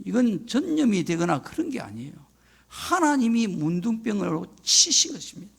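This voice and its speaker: Older man, retired pastor, sermon, solemn warnings, gravelly fry, animated pitch. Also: normal speed. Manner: solemn warning, emphatic lists.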